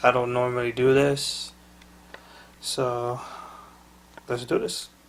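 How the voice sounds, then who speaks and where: A man's medium-pitched voice, very slow and flat in a monotone, with audible room echo and noticeable background noise. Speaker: student. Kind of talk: class presentation.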